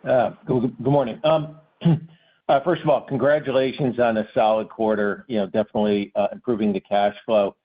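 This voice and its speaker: A man's voice: on the low side, fairly even intonation, moderate pace. A male financial analyst phones in, asking a spontaneous question with hesitant, informal phrasing. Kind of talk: spontaneous question on earnings call. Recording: narrow tinny phone line.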